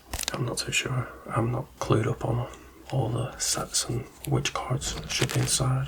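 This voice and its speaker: Noticeable background noise sits behind a soft-spoken man. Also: fairly slow pace. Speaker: ASMR creator. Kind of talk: ASMR pack opening, casual talk to camera. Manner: soft-spoken, slow.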